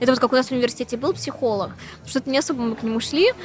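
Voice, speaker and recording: Noticeable background noise sits behind a woman speaking at a high pitch with ordinary pitch variation. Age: 20s. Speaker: startup founder. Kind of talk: business pitch. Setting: restaurant.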